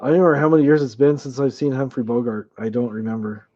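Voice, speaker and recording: A man's voice: mid-range voice, quick pace, warm tone, lo-fi sound. A man casually hosting a live-chat trivia game, chuckling often and reading viewers' names aloud.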